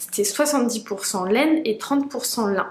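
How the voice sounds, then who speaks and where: Noticeable background noise underlies a woman's voice, whose pitch varies in an ordinary way. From France. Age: 20s. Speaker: knitting vlogger. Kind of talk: casual vlog chat. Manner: hesitant, many filler euh.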